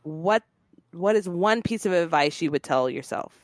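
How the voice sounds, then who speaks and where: A woman hosting a business podcast in a casual, playful and slangy way, quick to laugh. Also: fairly low pitch, animated, no echo, clean studio sound. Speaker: podcast host. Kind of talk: casual interview chat.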